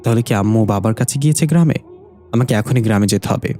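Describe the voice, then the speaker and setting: A man's voice: lowish voice, fast talker, dark tone, faint music behind, close to an everyday voice. A man voicing a worried young fairy woman in a spoken story, earnest and anxious.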